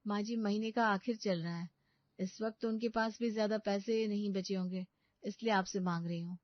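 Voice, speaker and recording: A young daughter-in-law in an animated family story, played by a woman, suspicious and aggrieved. She speaks high and complaining. Dry, slightly dull sound. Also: moderate pace, no room sound, lightly acted.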